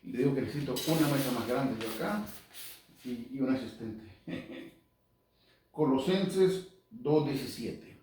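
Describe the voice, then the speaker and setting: A man giving an informal Catholic Bible lesson on radio, talking conversationally, repeating words and reading verses slowly. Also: medium pitch, animated, darkish tone. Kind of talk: informal Bible study talk. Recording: very echoey room, distant mic.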